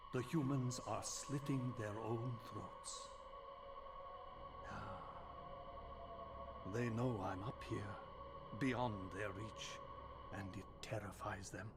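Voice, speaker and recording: An actor playing an ancient, gentle vampire guardian in a video game, weary and sorrowful, with a solemn, measured delivery. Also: male voice, mid-range voice, background noise. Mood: grave, then weary, resigned. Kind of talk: scripted video game cutscene acting. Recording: echoing game audio with music behind.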